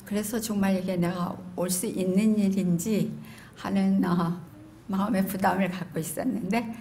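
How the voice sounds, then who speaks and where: A middle-aged Korean woman introducing herself to a group in a hesitant, reflective way with pauses. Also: medium pitch, fairly even intonation, mellow. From Korean living in California, United States. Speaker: seminar participant introducing herself. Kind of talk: halting self-introduction to a group. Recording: noticeable background room noise.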